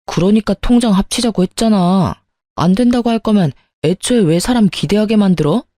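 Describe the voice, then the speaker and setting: A sulky, money-minded young husband from an audio story, as a woman reader puts him on, pitched a little lower than her own voice. The tone is mellow and dark, close and dry, accusing and quick to flare into shouting. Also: no room sound, close to an everyday voice. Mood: demanding. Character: petty, calculating young husband, quick to anger.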